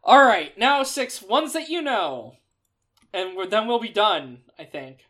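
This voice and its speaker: A woman's voice: medium pitch, lively intonation, measured pace, fairly bright tone. Rambling exasperated woman co-host. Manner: rambling, exasperated, lots of fillers. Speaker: podcast co-host. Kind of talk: casual chat about mecha designs.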